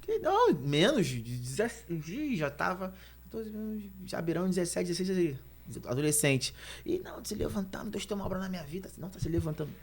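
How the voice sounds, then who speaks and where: A man with a Brazilian Portuguese accent, a guest preacher telling his story fast, with stumbling restarts. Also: high voice, sing-song, slight background noise. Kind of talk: animated storytelling in conversation.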